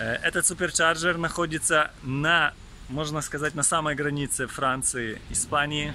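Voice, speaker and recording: A man's fairly high-pitched voice at a fairly slow pace, with fairly even intonation. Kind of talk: casual travel vlog talk to camera.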